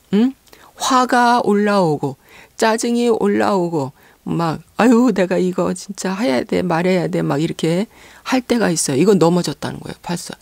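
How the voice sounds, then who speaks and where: A woman pastor preaching a sermon, earnestly posing rhetorical questions to the congregation and pausing on fillers between phrases. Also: medium pitch, vocal fry, darkish tone, dry recording.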